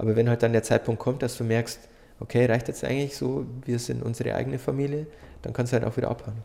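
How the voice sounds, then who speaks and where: A medium-pitched male voice at a very fast pace, with fairly even intonation. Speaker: professional footballer, team captain. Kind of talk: podcast interview.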